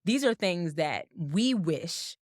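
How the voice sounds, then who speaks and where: A woman's voice: lowish voice, expressive, takes it slowly, no echo, clean studio sound. A woman in her thirties co-hosting a casual chat, speaking emphatically and jumping into playful made-up examples. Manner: emphatic, jumps into playful hypotheticals. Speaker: podcast co-host.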